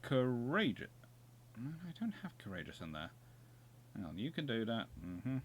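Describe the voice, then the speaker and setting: A man from England with a Surrey accent hosts a live stream of a naval strategy game, chatting casually, cracking jokes, and restarting his thoughts as he goes. His medium-pitched voice is very animated and moderately paced, with slight background noise.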